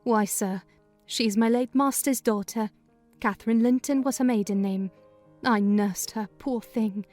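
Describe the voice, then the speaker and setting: A woman's voice: a little high, unhurried, a little mellow, faint music behind, lightly acted. A woman reading a kindly, talkative older housekeeper in a dramatized audiobook. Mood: chatty. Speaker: narrator voicing housekeeper.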